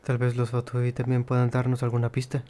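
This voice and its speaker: Casual male gamer, medium pitch. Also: completely flat delivery, fast talker, warm tone, a little hiss or hum. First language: Spanish. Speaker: gaming video host. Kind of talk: casual let's-play commentary.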